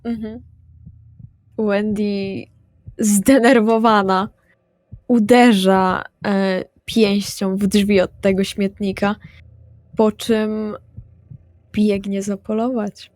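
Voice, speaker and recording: Woman player with a medium-pitched voice. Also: flat delivery, drawn-out words, pauses often, darkish tone, dry recording. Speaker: roleplay player. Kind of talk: in-game narration.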